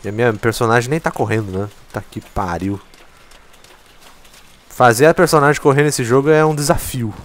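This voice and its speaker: A gameplay commentator with a mid-range voice talks at a moderate pace, leaving long pauses, over faint game music. His casual let's play commentary is excitable and profane, full of swearing and jokes at the game's expense.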